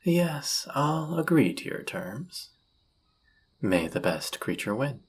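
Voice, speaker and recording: A man playing a suave, seductive demon in a flirty audio roleplay, husky and gravelly, with a teasing, theatrical, often murmured delivery. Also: mid-range voice, very animated, takes it slowly, slight background noise. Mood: amused, intrigued. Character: suave seductive male demon, smug and dangerous.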